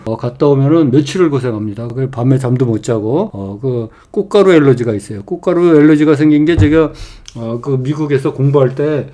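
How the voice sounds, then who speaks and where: A middle-aged man with a mellow, hoarse voice hosts a live stock trading stream. He greets viewers and reads their comments aloud, stopping often on fillers and restarting his sentences. His pitch sits in an ordinary male range. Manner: halting, many fillers, warm greetings to viewers. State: hoarse throat from pollen allergy.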